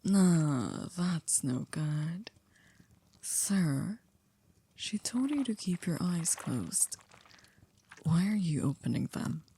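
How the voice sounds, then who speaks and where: A woman playing a poised, coolly controlling maid to a vampire in an ASMR roleplay, speaking formally and politely in a hushed, breathy, often near-whispered voice. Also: sits low, lively intonation, slight background noise, full character voice. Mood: cool, softly menacing. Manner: formal, polite, measured, with stiff wording.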